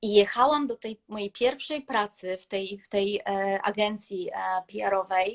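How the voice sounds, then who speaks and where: This woman speaks at a fairly high pitch, and her intonation stays fairly even. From Poland, Malbork. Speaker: makeup artist. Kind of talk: casual chat on a livestream.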